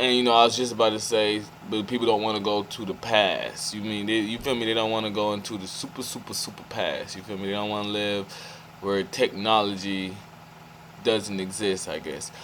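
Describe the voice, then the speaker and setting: Monotone, flat delivery at a fairly quick pace, with audible room echo and noticeable background noise. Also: man, fairly low pitch for a man. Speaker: spiritual vlogger. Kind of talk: casual monologue. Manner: rambling, halting.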